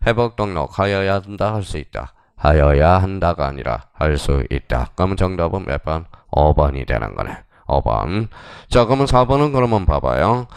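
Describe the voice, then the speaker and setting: A man lecturing on exam technique in a classroom, quizzing students with quick questions and answering them himself. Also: deep voice, vocal fry, clean tone, dry recording, studio quality.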